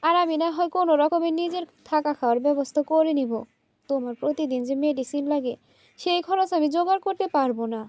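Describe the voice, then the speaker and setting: Mistreated young woman, tearful and pleading, read by a woman storyteller; high and mellow. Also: brisk, no echo, lightly acted.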